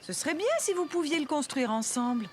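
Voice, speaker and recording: A woman voicing a patient, caring young mother in a French-language children's cartoon, gently explaining things. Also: high voice, animated, a little fast, background noise. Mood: comforting.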